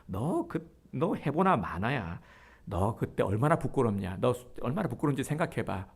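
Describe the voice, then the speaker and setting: A man's voice: big pitch swings, moderate pace, gravelly, breathy edge, full character voice. A man voicing a sneering, taunting devil. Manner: jeering, belittling, hushed and low.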